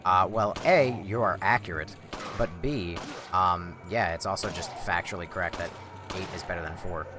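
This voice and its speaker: A man streaming a video game, talking in a dry, monotone way with casual swearing while answering chat. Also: low-pitched, normal speed, music in the background. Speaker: gameplay streamer.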